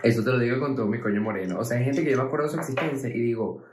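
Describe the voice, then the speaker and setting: A man's voice: medium pitch, racing, noisy background. A young man with a Venezuelan accent, laid-back and slangy, retelling what people said in casual podcast chat. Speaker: podcast co-host. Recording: roomy echo.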